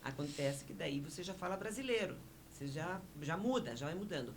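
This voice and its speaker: A woman whose first language is Spanish, explaining things in a measured way as a guest on a radio interview. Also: sits low, lively intonation, slight background noise. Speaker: interview guest, honorary consul.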